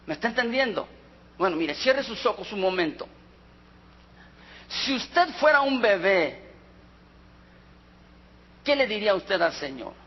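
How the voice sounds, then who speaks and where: A man's voice: sits high, very animated, unhurried, long pauses. A Mexican man preaching a sermon as a pastor, often asking the congregation questions. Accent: Mexican Spanish. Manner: asks the congregation frequent rhetorical questions. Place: church hall. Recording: reverberant hall with dull sound.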